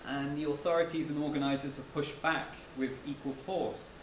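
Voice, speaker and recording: A man's voice: on the high side, steady tone, normal speed. A man giving a public lecture as a guest speaker, talking in a modest, conversational way in a lecture room. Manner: modest, slightly self-deprecating, conversational. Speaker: guest speaker, author and anthropologist. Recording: echoey room from far off, noisy.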